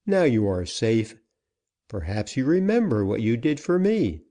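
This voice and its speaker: A man's voice: medium pitch, sing-song, measured pace, mellow. A man voicing a stern male frontier hero who grimly mocks his captive.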